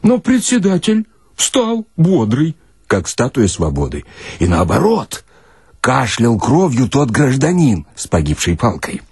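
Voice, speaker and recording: A man giving a theatrical, expressive first-person reading of satirical short stories, with deliberate pauses and a husky voice. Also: mid-range voice, dry recording, studio quality. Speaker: narrator, reader of literary stories.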